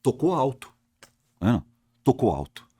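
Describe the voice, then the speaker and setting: A man's voice: medium pitch, moderate pace, husky, dry recording. A man teaching an exam-prep grammar lesson, speaking straight to his students and asking himself questions. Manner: lively, talks to class directly, asks and answers himself.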